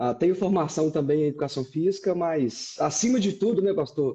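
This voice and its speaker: Here a man sounds somewhat breathy. His pitch varies in an ordinary way. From Montes Claros, northern Minas Gerais, Brazil. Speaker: pastor. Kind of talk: casual chat. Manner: halting, repeats words.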